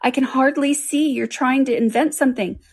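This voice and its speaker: A woman voicing an indignant, fretful mother pigeon with a shrill, scolding manner in a storybook. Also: normal speed, a little mellow, slightly rough. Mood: exasperated, shrill. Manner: scolding, exclamatory, aggrieved. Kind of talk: storybook character reading.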